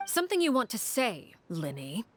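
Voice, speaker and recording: Stern cold house leader. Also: female voice, on the high side, wildly swooping pitch. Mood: cold commanding. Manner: cold, formal, unhurried. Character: stern commanding female head of a house. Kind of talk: game cutscene voice acting.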